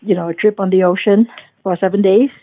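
A woman in her fifties from Vietnam, a guest telling her story in an earnest, reflective way, often pausing with "you know.". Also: medium pitch, steady tone, no echo, narrow, tinny audio. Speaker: guest, dentist and coach. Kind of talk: casual podcast interview.

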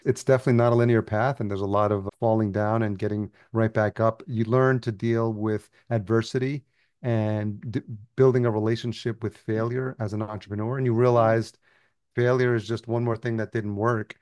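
Man, interview guest, low voice, dry close mic, relaxed storytelling, easy laughs. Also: normal speed, clean tone, dry recording. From El Salvador. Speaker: podcast guest, agency founder. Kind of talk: casual interview.

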